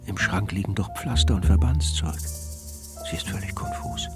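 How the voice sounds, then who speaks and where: A man narrating in the inner voice of a brooding, jealous husband in a radio play, measured and often whispered. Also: sits low, expressive, over music.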